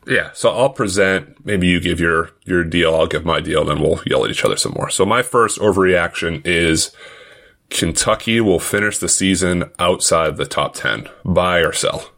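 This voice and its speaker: Deep-voiced man with a Boston accent. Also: normal speed, fairly bright tone. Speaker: sports podcast co-host. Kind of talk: casual sports podcast chat.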